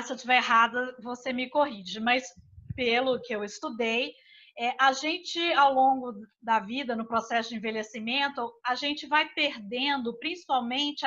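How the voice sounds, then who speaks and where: Chatty high-voiced woman host, dull audio. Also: bright, forceful tone. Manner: chatty, uses many tag questions. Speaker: host, gerontological architect. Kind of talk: hosted expert conversation.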